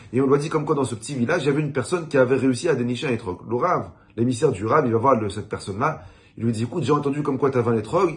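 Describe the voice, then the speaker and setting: A man, a rabbi, giving a weekly Torah talk that moves from storytelling into earnest exhortation. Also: medium pitch.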